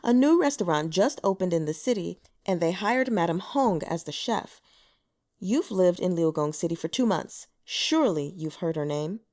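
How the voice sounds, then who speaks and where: A woman voicing an arrogant, teasing male lord in a storybook reading, speaking briskly and mockingly. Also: fairly low pitch, animated, a little mellow, natural voice. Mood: cheery.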